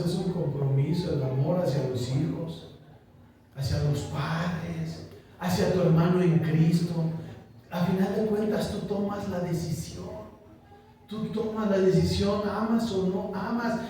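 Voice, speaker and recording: Man, pastor, high voice, joking conversational sermon, recorded from afar in a reverberant church. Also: fairly even intonation, moderate pace, warm tone. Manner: chatty, asks the congregation questions, jokes. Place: small church. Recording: echoey church room, distant mic, faint noise.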